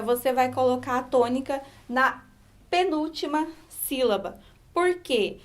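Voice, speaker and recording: A woman teacher giving a recorded online grammar lesson, explaining patiently and checking in with her students as she goes. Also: high-pitched.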